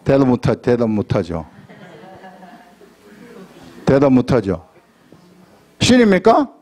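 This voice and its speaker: A man's voice: mid-range voice, wildly swooping pitch, slow pace, a little mellow. A man preaching a sermon as a church pastor, putting questions to the congregation and acting out pleading prayers.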